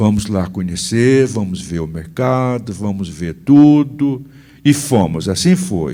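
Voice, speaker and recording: In a rural Brazilian accent, this voice has a dark, mellow tone, very wide pitch swings and a very slow pace. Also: man, fairly low pitch for a man. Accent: rural Brazilian countryside. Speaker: businessman. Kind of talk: interview.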